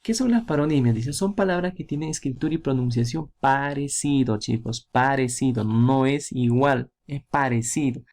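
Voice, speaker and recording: Gravelly-voiced man teaching grammar. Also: medium pitch, a little mellow. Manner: explanatory, pointing at examples, asking checking questions. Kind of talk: classroom grammar lesson.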